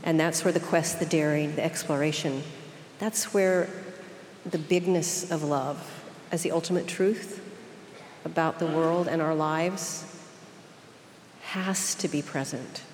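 A woman from Oklahoma with an Okie accent, speaking earnestly and deliberately as a guest in a reflective interview. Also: low-pitched, steady tone, darkish tone. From Oklahoma, United States. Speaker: interview guest, seminary leader. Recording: echoey hall, clear background noise.

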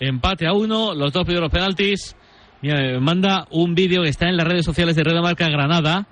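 A high-voiced man anchors live sports radio. He is brisk and informal, cutting in to pass between match commentators. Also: a bit bright. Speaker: radio sports show host. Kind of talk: live multi-match studio hosting.

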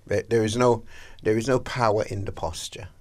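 A man's voice: lowish voice, steady tone, normal speed, slight background noise. A middle-aged man hosting a Christian breakfast radio show, chatting about prayer in a preacherly, chatty way. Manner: chatty, preacherly, lots of agreeing yeahs. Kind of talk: casual on-air chat about faith.

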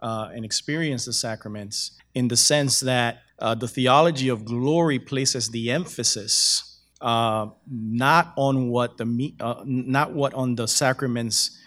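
Male pastor guest, fairly low voice, careful and explanatory. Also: a bit bright. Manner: measured, explanatory. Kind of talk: panel discussion.

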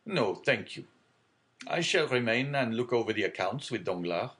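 A man reading aloud and voicing a genial, fatherly older shipowner in a hearty, booming manner. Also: animated, normal speed, a bit bright, lightly acted. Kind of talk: audiobook character reading.

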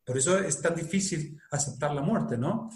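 An Argentine man in his forties speaks about parenting with a reflective, explaining manner. His voice sits high for a man, and he keeps tagging his points with little rhetorical questions. The room around him rings with echo. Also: normal speed, darkish tone. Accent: Argentine Spanish. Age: 40s. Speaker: psychologist guest. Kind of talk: conversational talk on parenting.

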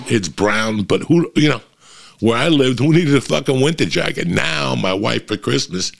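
Gravelly, foul-mouthed comic. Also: male voice, deep voice, fairly bright tone. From New Jersey. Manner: profane, blunt storytelling. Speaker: comedian. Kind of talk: casual rambling monologue.

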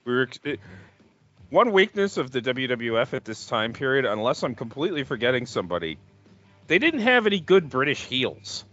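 A man's voice: medium pitch, big pitch swings, brisk, fairly bright tone, muffled recording, faint music behind. A man co-hosting a podcast, rambling and joking in casual chat with restarts. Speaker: podcast co-host. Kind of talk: casual chat about wrestling.

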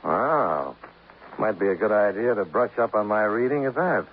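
An actor playing a wisecracking insurance investigator in a 1950s radio drama, dry and sardonic in manner. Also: male voice, on the low side, expressive, normal speed, a little hiss or hum, natural voice. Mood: wry. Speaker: private investigator lead. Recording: tinny phone-like old radio recording with music.

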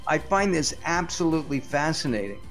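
Guy hosting a late night radio show, bit high voice, lots of uhs, music faint behind. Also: expressive, fairly quick, fairly bright tone. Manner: hesitant, many fillers.

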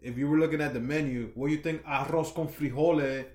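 A man co-hosting a casual, profane podcast chat, telling stories in an animated way. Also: a little high, fast talker, roomy sound. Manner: animated storyteller, acts out quotes with shouty put-on voices. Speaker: podcast co-host.

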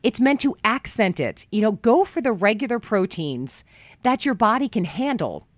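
A woman hosting a talk radio show from a studio, chatting in a folksy, upbeat way, her voice worn low after travel. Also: very animated, moderate pace, dry recording. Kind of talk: talk radio monologue with live ad reads. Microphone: studio microphone.

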